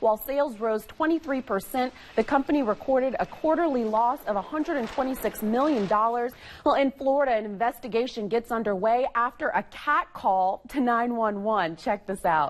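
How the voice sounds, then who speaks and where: A woman with an ordinary speaking voice talks at a moderate pace, her pitch fairly high and her loudness very even. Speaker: TV news anchor. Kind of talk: morning TV news anchor read.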